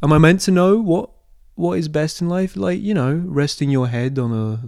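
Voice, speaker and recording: A man with a London accent talks at a moderate pace with lively intonation. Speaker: podcast host. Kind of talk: solo monologue, casual. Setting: alone in own room. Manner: rambling free association with fillers.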